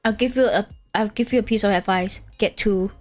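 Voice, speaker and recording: A woman's voice: medium pitch, fairly quick, soft background music. A woman streamer chatting casually and teasing her guest while reading out chat messages. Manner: playful teasing, lively singsong delivery. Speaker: streamer host.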